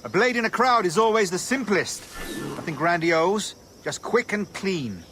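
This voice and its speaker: An actor playing a hearty older officer, brisk and encouraging, in a video game. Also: male voice, sits high, expressive, sharp tone, a little hiss or hum. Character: older English officer, hearty weapons enthusiast.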